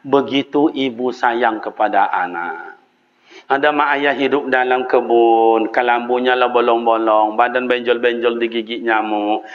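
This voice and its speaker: An older man with a Minangkabau accent giving a sermon in a mosque, telling stories in a lively way with sudden leaps up in pitch and often turning to address his listeners directly. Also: a little slow, phone-quality sound. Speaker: preacher.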